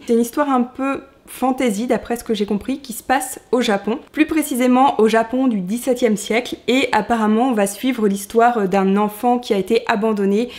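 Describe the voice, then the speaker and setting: A woman's voice: a little high, darkish tone. A woman book vlogger, chatting casually through her book haul with many fillers and restarts.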